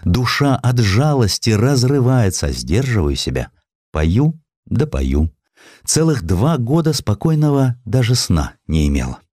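A man's voice: mid-range voice, very animated, unhurried, a little mellow, no room sound, studio quality, voice pushed up. A man voicing an exhausted, devoted woman who plaintively recalls her sleepless nursing, in an audiobook. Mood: sorrowful, weary.

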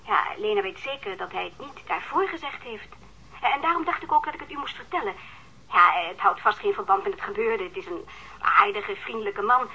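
A woman's voice: medium pitch, lively intonation, a little fast, pushed and bright, husky, heavily acted. An actress in a radio drama playing an anxious, apologetic mother on the telephone, hesitant and stammering. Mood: hesitant, eager. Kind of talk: Dutch radio drama acting. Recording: telephone line with audible noise.

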